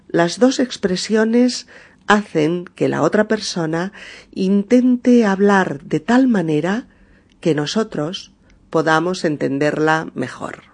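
A podcast host with a Spain Spanish accent gives a clearly spoken Spanish lesson. They repeat key phrases for learners and check in with soft "mm?" prompts. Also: medium pitch. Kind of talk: slow, clearly spoken teaching narration.

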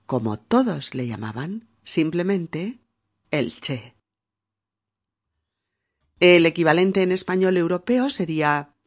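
A woman from Spain with a Peninsular Spanish accent, teaching a language lesson patiently and checking in with soft "mm?" prompts. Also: sits low.

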